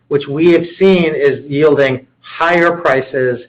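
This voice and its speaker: A man's voice: fairly high pitch, takes it slowly. Man explaining business figures, dull call audio. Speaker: company finance executive on an earnings call.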